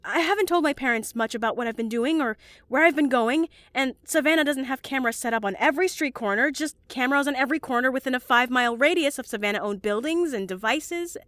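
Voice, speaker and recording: A high-pitched young female student in an audio drama, recorded close and dry. She is earnest and anxious, a well-meaning type who stammers and halts as she talks. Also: animated, fast talker, hardly any pauses, a bit bright, no room sound. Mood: anxious, rambling. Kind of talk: audio drama acting, emotional monologue and dialogue.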